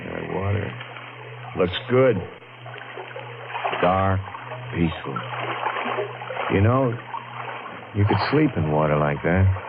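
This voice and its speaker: An actor in old-time radio horror playing a tired, haunted driver, nervous, evasive and prone to stammering. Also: male voice, deep voice, expressive, slow pace, gravelly, pauses often, heavily acted. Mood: drowsy, evasive. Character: tired, jittery, guilt-haunted male driver. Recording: very tinny, noisy old radio recording.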